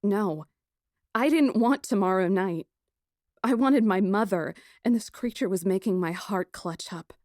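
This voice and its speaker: A woman playing a plucky, sarcastic kidnapped young woman who narrates her ordeal in a first-person audiobook, wry and expressive. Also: mid-range voice, a little slow, dry recording, clean studio sound, close to an everyday voice. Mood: upset.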